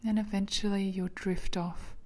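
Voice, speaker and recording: A woman narrating a guided sleep meditation in a soft, breathy, half-whispered, soothing way, like a sleep story narrator. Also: mid-range voice, level tone, moderate pace.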